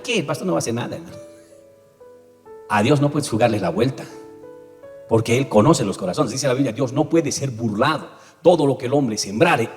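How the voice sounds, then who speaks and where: A man preaching a sermon as pastor, telling stories emphatically and often checking in with his listeners. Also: mid-range voice. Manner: emphatic storytelling preacher with frequent tag questions. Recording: echoey hall with faint music.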